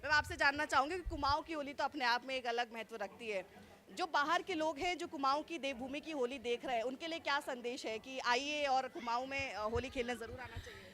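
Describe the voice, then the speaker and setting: A woman's voice: high-pitched, fairly quick, pushed and bright. A woman field reporter giving a live news report outdoors at a festival gathering, speaking fluently with frequent fillers.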